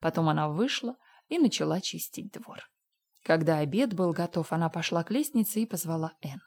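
A woman narrating a dramatized audiobook in a measured storytelling manner. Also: low-pitched, expressive, a little mellow, slightly rough.

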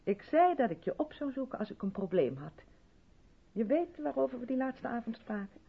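An actress playing an effusive, self-absorbed white South African theatre director in a 1970s Dutch radio play, chatty and patronising in a theatrical way. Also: female voice, on the high side, sing-song, moderate pace, creaky, slightly rough, heavily acted. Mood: chatty, purposeful. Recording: dull vintage radio recording.

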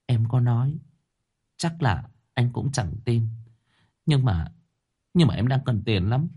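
A man's voice: medium pitch, big pitch swings, slow pace, dark tone, breathy edge, full character voice. A man voicing a tearful young woman who pleads with stammering, sobbing words.

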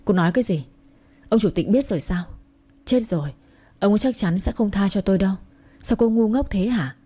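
A woman's voice: mid-range voice, brisk, mellow, slightly rough, lightly acted. Woman voicing a curt, greedy husband. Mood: alarmed. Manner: curt and harsh, turning servile to his boss. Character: cold greedy young husband.

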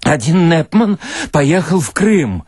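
A man voicing a broke writer, nervous and eager, bluffing haltingly in a dramatic story reading. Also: fairly high pitch, very animated, a little mellow, slightly rough, no room sound, clean studio sound, voice pushed up, full character voice. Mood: flustered, eager. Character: flustered, broke male writer pitching stories, bluffing eagerly.

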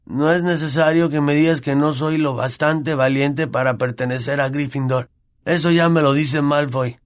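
A man's voice: fairly high pitch, moderate pace, pitched above the performer's own voice, lightly acted. A man doing Neville, meek tearful schoolboy. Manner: shaky and meek.

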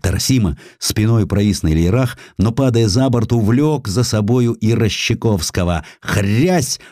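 Deep, mellow male narrator, dry studio sound. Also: animated, unhurried, no echo. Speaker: audiobook narrator. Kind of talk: dramatic scripted narration of historical prose. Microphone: close studio microphone.

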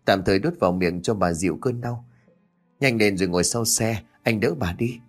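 A man's voice: fairly low pitch, normal speed, soft background music, close to an everyday voice. A man voicing a shaken young man who speaks hesitantly and stammers. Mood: urgent.

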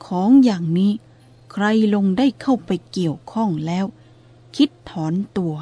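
Casting: woman reading a calm old male abbot, warm breathy voice, dry teasing. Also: medium pitch, a little slow. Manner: steady, even-toned, dry teasing.

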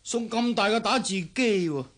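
A man's voice: sits high, normal speed, fairly bright tone. An actor playing a shrewd, money-minded middle-aged father who lectures his daughter, speaking with a Hong Kong Cantonese accent in a radio drama. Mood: lecturing. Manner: lecturing, scornful.

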